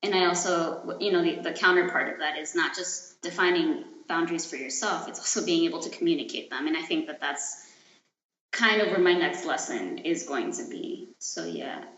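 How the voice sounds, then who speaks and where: A Chilean artist and activist in their late twenties guests on a podcast, giving reflective, searching answers that are often hesitant and trail off. Their mid-range voice has lively intonation, a sharp tone, and a moderate pace. The recording, made in an echoey room, has a dull, roomy lo-fi sound.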